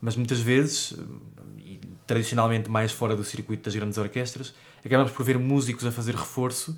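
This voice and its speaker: Very fast speech from a man, on a very clean recording with a silent background. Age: 20s. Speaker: podcast host and musician. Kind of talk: interview. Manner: formal.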